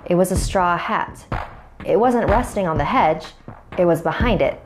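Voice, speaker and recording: A young woman telling a scary first-person story in a measured, suspenseful way, narrating over a music bed. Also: lowish voice, noisy background.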